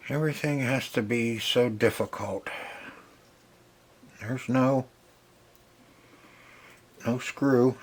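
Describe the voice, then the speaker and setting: A man's voice: medium pitch, takes it slowly, long pauses. A man casually narrating a hands-on repair as he goes, muttering to himself in short, folksy remarks. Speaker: host of a retro repair video channel.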